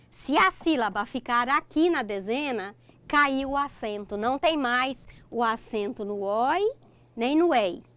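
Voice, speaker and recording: A woman's voice: high voice, fairly bright tone. A middle-aged Brazilian woman with a Brazilian Portuguese accent, teaching a recorded online grammar lesson. She explains step by step and keeps checking in with "ok?".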